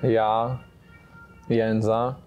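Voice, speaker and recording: A man's voice: on the low side, level tone, very slow, highs cut off, slight background noise. A young man, a footballer, answering in a laid-back, joking way and chiming in often. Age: young adult. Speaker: footballer guest. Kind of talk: casual interview answers. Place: lounge in a large building.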